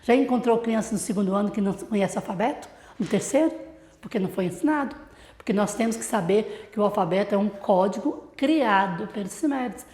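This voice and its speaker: A woman's voice: medium pitch, expressive, brisk, a little mellow, reverberant. A woman literacy teacher with a Brazilian accent, explaining a classroom routine to other teachers and asking rhetorical questions.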